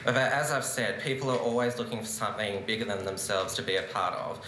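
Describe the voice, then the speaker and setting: Bright-voiced young man debating. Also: on the low side, fairly even intonation, brisk, a little hiss or hum. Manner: earnest, argumentative, gesturing while speaking. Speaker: debate speaker. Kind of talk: prepared debate speech. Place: large conference room with seated audience. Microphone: lectern microphone on a stand. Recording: roomy conference hall echo.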